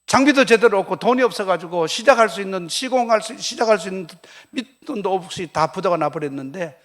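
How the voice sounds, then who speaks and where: A man's voice: high-pitched, expressive, a little fast, a bit bright. An older man preaching a revival sermon as a pastor, telling stories with acted quotes and questions put to the congregation. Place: church sanctuary.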